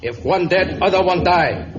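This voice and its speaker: An actor playing a stern, superstitious jungle tribal chief who speaks in halting, clipped broken English in an old radio serial. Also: male voice, high voice, lively intonation. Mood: suspicious, menacing. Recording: muffled, noisy vintage radio recording.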